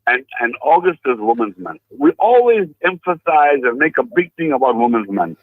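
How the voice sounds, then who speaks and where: A man calling in by phone to a radio show, trading quick jokes and laughing a lot. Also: on the high side, big pitch swings, no room sound. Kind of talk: joking radio banter. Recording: tinny phone line.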